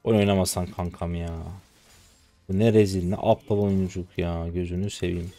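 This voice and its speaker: A man's voice: low voice, little pitch movement, moderate pace, faint music behind. Exasperated young man streaming a game. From Turkey. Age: 20s. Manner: exasperated, swings between mutters and loud outbursts. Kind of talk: live gameplay commentary.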